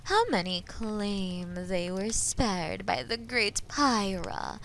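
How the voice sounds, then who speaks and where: A woman playing a haughty, menacing female dragon in an audio roleplay, imperious and mocking, with a breathy voice that often drops into whispers. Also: medium pitch, expressive, fairly bright tone, a little hiss or hum, heavily acted. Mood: proud, stern. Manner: imperious, mocking, slow and deliberate. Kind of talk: scripted audio roleplay addressed to listener.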